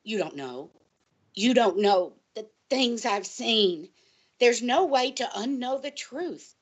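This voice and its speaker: An actress playing a distraught, paranoid college librarian in an audio drama, earnest and insistent, halting and pleading in her delivery. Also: on the high side, animated, lo-fi sound. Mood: urgent, pleading. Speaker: guest on a college radio show.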